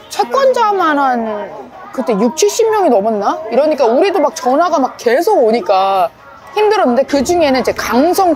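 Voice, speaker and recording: High, lively-voiced woman lawyer. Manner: animated, briefly acts out the people she quotes. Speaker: inheritance lawyer. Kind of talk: casual storytelling to camera. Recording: background music under the voice.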